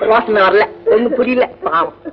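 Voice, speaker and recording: Naive rustic bumpkin husband, comic boasting, very high pitch, 60s film soundtrack. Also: male voice, normal speed, vocal fry. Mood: boastful. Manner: rustic colloquial speech, comic boasting, exclaiming. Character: simple-minded village cowherd husband, boastful, naive. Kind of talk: 1960s film acting. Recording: dull old film soundtrack with music.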